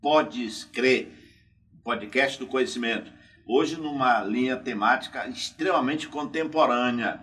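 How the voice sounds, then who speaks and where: A man's voice: medium pitch, measured pace, a bit bright, husky, faint music behind. A man co-hosting a podcast, emphatic and formal in his welcomes. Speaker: co-host professor.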